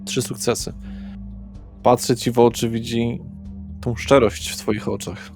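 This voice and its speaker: A man as game master, narrating a horror roleplay in measured, short descriptive phrases. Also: medium pitch, level tone, creaky, darkish tone, faint music behind.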